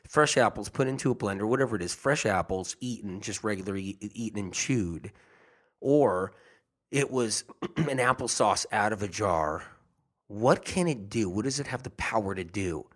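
A man's voice: on the low side, moderate pace, fairly bright tone. A man talking casually and earnestly to his audience about health, rambling and often repeating himself. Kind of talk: casual monologue.

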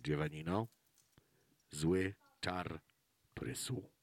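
A man's voice: rumbling low, extremely slow, pitched below the performer's own voice, heavily acted. A man voicing a huge fairy-tale giant in a terse, commanding, solemn manner. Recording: live concert with loud music.

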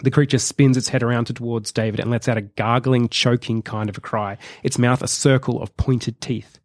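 A male podcast host narrating a comedic film pitch in a vivid, measured storytelling way. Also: fairly even intonation, no echo. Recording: dry close sound.

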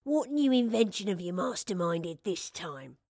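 A woman's voice: on the low side, measured pace, no echo. Elderly male shopkeeper, played by a woman, storybook. Fond, playful, old-fashioned grumbler. Dry recording. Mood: curious. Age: older. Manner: old-fashioned British turns of phrase, fond and teasing. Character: kindly elderly male map-shop keeper, playful and grumbling.

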